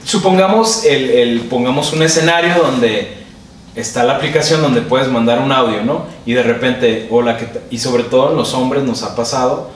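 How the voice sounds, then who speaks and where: A man's voice: mid-range voice, normal speed. Young Mexican man, casual slangy chat. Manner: joking, slangy, lots of fillers. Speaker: co-host. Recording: roomy, distant mic, faint noise.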